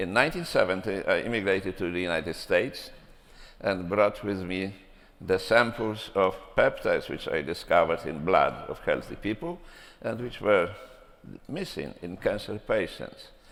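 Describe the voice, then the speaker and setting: A man with a non-native accent talks at a moderate pace. Room echo is audible. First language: Polish. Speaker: doctor and cancer researcher. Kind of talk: conference talk. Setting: stage with audience.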